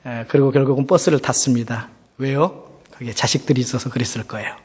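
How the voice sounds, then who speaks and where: A man's voice: medium pitch, fast talker, darkish tone, slightly rough. A middle-aged man, a pastor, giving a sermon as personal storytelling in a conversational way, often putting rhetorical questions. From South Korea. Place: large church hall. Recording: reverberant hall sound.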